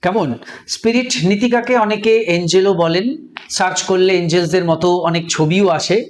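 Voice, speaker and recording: Man, high pitch, spiritual teacher, patient, repeats each step, direct to viewers. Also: steady tone. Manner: patient, repeats and spells things out slowly; colloquial, addresses viewers directly. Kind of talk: instructional talk.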